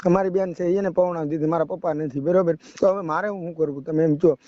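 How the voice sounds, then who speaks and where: High-pitched young man on a muffled call. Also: fairly even intonation, fast talker, mellow, no room sound. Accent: rural Saurashtra Gujarati. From Gujarat, India. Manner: rambling, often adds a checking tag question. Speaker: caller seeking advice. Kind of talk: personal account told over a phone call. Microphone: phone call. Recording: dull lo-fi phone call recording.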